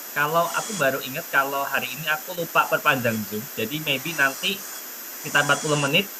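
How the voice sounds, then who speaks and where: Noticeable background noise runs behind a man whose pitch sits fairly high. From Central Java, Kudus. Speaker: online tutor. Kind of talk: online lesson. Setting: video call. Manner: casual with frequent fillers.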